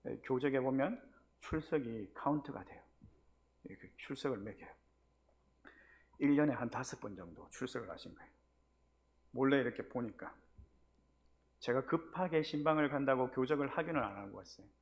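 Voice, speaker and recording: A man's voice: mid-range voice, expressive, normal speed, pauses often. A middle-aged male pastor giving a sermon, telling a personal story and acting out the voices in it. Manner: storytelling, acting out his own scolding voice.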